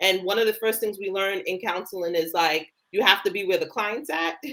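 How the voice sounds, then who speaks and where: This voice carries an American accent, a moderate pace and ordinary pitch variation. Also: woman. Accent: Caribbean accent slips out at times. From New York, Long Island, Caribbean family. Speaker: school social worker. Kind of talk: podcast interview. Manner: long-winded.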